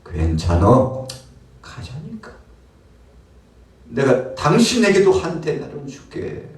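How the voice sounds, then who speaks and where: A man's voice: medium pitch, huge pitch swings, slow, darkish tone, voice pushed up. A man voicing a generous male vineyard owner who talks in a brusque, commanding way. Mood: kind. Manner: brusque, scolding then kind. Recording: roomy hall, mic far off.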